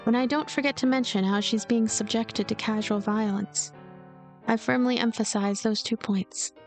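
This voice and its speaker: Woman as a cynical girl narrator, slightly high voice. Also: steady tone, moderate pace, soft background music, lightly acted. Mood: cool, calculating. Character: cynical lonely girl narrator, blunt, scheming, quietly seething. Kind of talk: first-person visual novel narration read aloud.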